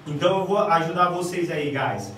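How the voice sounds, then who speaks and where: A high-voiced Brazilian man teaches with punchy emphasis, drawing out each example phrase. He sounds set back from the mic in a very echoey room, with faint ambience behind him. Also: animated, a bit bright, distant mic, a little hiss or hum. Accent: Brazilian Portuguese. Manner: emphatic, repeats "guys", drills examples slowly. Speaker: English teacher. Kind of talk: energetic video lesson.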